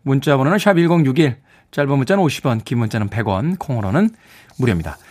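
A man's voice: mid-range voice, expressive, fast talker, a little mellow. A man hosting a morning radio show in a studio, chatty and chuckling as he reads out listener texts. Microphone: studio microphone.

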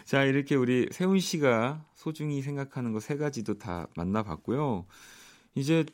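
A man hosting a radio show, interviewing a guest in a polite, animated way. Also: mid-range voice, moderate pace. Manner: lively, polite, animated questioning. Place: radio studio.

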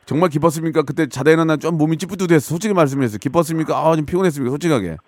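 In a radio studio, a host runs a casual call-in show, chatting jovially and teasing his callers. His voice is a little high, and he talks in a rapid-fire way.

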